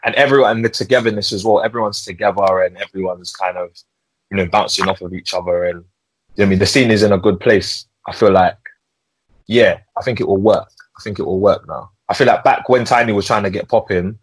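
A man's voice: fairly low pitch, quick pace, slightly rough, dry recording, rough recording. A young man with a London roadman accent and slangy street delivery, chatting casually and repetitively as a music podcast host.

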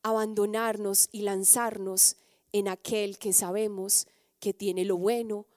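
A woman giving a devotional teaching on prayer, told gently with soft endings that sink to a hush. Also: mid-range voice, little pitch movement, takes it slowly, no room sound, studio quality, long reverb tail. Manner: gentle, soft, dropping to a hush at phrase ends.

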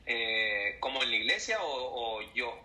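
A church musician in his twenties with a Mexican accent tells stories in a casual interview, animatedly acting out the voices in them. His voice is medium in pitch and measured in pace, and the audio quality is poor.

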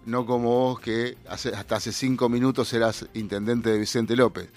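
A radio co-host speaks with a Rioplatense accent and a mid-range voice. He gives blunt, slangy opinions and fires back quick retorts. Faint music plays under the talk. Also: medium pitch. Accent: Rioplatense Spanish. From Buenos Aires province, Argentina. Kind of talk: casual talk radio chat.

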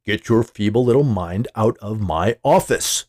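A man's voice: lowish voice, expressive, measured pace, darkish tone, no echo, clean studio sound. A man voicing a powerful, smug corporate CEO with a commanding, coolly condescending manner in an audiobook-style story. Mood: menacing, angry.

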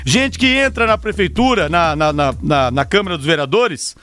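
A Brazilian man hosting a radio show in an animated, emphatic, rhetorical style, repeating phrases for effect. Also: on the high side, moderate pace, faint music behind. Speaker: sports radio host. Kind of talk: animated radio presenting with opinion.

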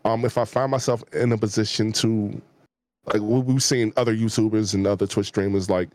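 A man in his forties with a D.C. accent talks casually over a video call, rambling and restarting his sentences with plenty of "like" and "um." His voice sits low, and the sound is dry and close. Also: a little fast, no echo. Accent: Washington, D.C. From Washington, D.C. area. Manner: relaxed, rambling with many fillers and restarts. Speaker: YouTube gaming creator, guest. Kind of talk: casual interview talk.

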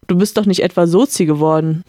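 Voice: medium pitch, fast, mellow, no room sound, clean studio sound, natural voice. A podcaster reading a novel aloud, voicing an agitated, protesting cavalry captain who stammers in a raised voice. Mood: indignant flustered. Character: indignant cavalry captain, flustered older man.

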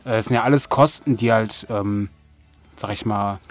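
A man in casual conversation as an interview guest, explaining things in a halting, hesitant way. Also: lowish voice, faint music behind. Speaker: interview guest, audio drama maker. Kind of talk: casual chat.

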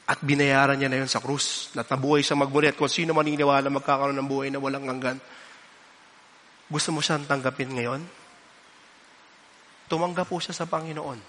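A man's voice: a little high, steady tone, moderate pace, long pauses, bright, forceful tone, in a large hall. A male pastor giving a sermon, telling personal stories and acting out quoted voices, switching between English and Filipino.

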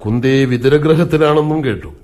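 A man's voice: mid-range voice, moderate pace, darkish tone, natural voice. A man playing an aging, anxious king who questions his advisor with suspicion in a radio play. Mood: troubled. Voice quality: wary, probing, troubled. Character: blind old king Dhritarashtra, anxious and suspicious. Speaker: radio drama actor. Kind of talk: 1980s Malayalam radio drama acting.

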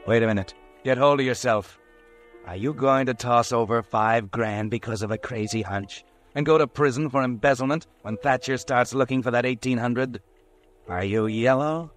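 A man's voice: mid-range voice, normal speed, faint music behind, natural voice. A man playing a sardonic, all-knowing radio narrator who taunts a guilty man in old suspense style. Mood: taunting, ominous. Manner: taunting, insinuating. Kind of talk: 1940s radio suspense narration in second person.

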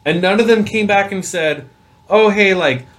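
A man's voice: high voice, moderate pace, fairly bright tone. A man in his thirties hosting a casual chat over drinks, ranting with emphatic repetition. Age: 30s. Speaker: host.

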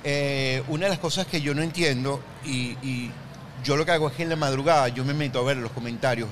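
A man's voice: medium pitch, fairly quick, slight background noise. A young man with a Venezuelan accent, a podcast guest speaking candidly with a joking edge. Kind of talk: casual interview chat.

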